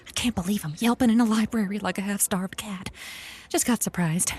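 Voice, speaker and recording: Woman acting a husky, excitable naive Amish woman. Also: mid-range voice, brisk, natural voice. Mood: hushed, cheery. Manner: excitable, hushed library talk with yelps. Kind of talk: comic audio drama acting.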